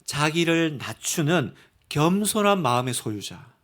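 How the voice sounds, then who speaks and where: A man's voice: a little high, very animated, measured pace, a bit bright. A pastor preaching to his congregation in church, earnest and full of rhetorical questions. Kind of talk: sermon.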